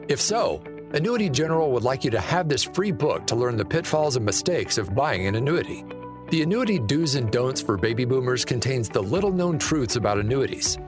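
A man reading a scripted radio advertisement in an upbeat, salesy way. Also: mid-range voice. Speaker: ad announcer.

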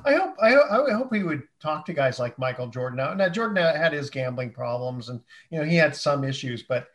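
A man from Northern California hosting a casual sports talk show, animated and quick to laugh. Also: fairly high pitch. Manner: animated, lively, laughs easily. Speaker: host.

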